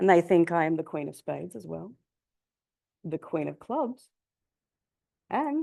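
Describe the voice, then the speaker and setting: A woman speaks with an Australian accent. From Australia (Sydney). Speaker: accessibility professional and conference speaker. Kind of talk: conference talk. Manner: animated.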